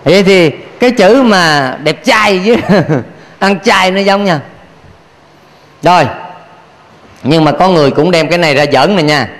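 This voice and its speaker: A man's voice: high-pitched, lively intonation, unhurried, long pauses, a bit bright, in a large hall. A man, a Buddhist monk giving a playful dharma talk, questioning his audience and laughing often. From Vietnam.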